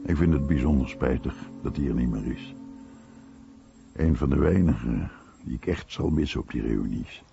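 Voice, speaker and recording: Extremely deep, gravelly man reading voice-over. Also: lively intonation, moderate pace, dark tone. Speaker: voice-over reader of translated interview. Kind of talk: scripted interview voice-over. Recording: dull recording, clear music behind.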